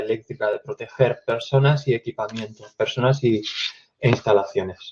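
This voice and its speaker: Speaking at a fairly quick pace with a Spanish accent, a man has a dark, mellow tone that is somewhat breathy. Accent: Spanish (Spain). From Spain, Barcelona (Catalonia). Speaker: company regional director, technical presenter. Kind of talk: webinar presentation. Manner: hesitant with fillers.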